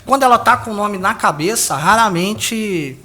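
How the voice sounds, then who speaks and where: A man's voice: sits high, animated, normal speed, pushed and bright. A man with a Brazilian Portuguese accent, a political analyst, explaining polling methods at length with frequent restarts. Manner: explains at length, with many restarts and tag questions. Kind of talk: explanatory interview answers.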